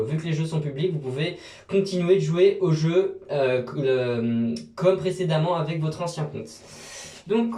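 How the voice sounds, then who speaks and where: A man's voice: a little high, warm tone. Rambling young man, echoey room. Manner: rambling, many fillers and restarts. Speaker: YouTuber. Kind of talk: casual screen tutorial. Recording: echoey room, mic at a distance.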